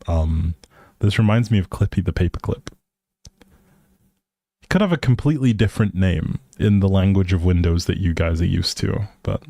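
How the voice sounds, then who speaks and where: A man's voice: fairly low pitch, warm tone, dry recording, studio quality. A man live streaming a game, chatting casually with viewers and thinking aloud in an easygoing, polite way. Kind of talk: casual livestream chat over gameplay.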